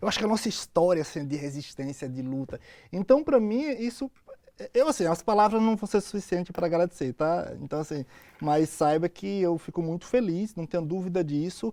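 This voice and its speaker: A man speaks at a moderate pace in a high pitch with a dark, mellow tone. The recording is very clean, with a silent background. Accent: Bahian. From Bahia sertão, Brazil. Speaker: scientist, researcher. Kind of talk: interview. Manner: halting, repeats words.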